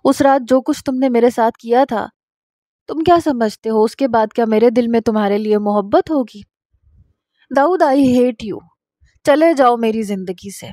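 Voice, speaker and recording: A woman's voice: on the high side, warm tone, no room sound, studio quality, natural voice. A woman voicing a frightened young woman doctor who stammers and pleads. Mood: frightened, pleading.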